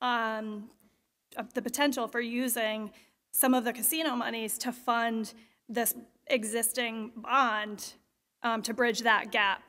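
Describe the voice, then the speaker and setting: A woman resident speaks at the podium during public comment, measured and hesitant, often stopping on fillers. Her voice is somewhat high and she keeps a flat, even tone. The sound carries long reverb from a big auditorium. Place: large school auditorium. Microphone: podium microphone.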